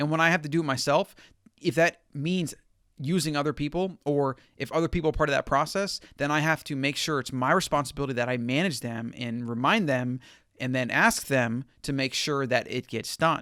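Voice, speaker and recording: In a very clean recording with a silent background, a man with a fairly high pitch speaks at a fairly quick pace, his tone bright and sharp and his pitch varying in an ordinary way. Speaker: podcast host. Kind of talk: solo podcast monologue. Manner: fast.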